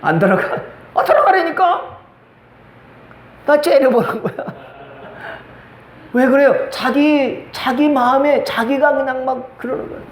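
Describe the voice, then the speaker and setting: A man's voice: very high voice, normal speed. An older man, a pastor, preaching a Sunday sermon, telling stories with quoted voices and asking the congregation questions. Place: church sanctuary. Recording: echoey church room with faint noise.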